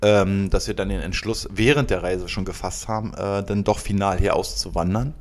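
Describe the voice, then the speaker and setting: A man's voice: deep voice, fairly even intonation, normal speed. A man in his late thirties from Berlin, co-hosting a casual podcast, joking and hesitating with many fillers and restarts. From Berlin, Germany. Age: 30s. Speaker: podcast co-host. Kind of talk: casual chat.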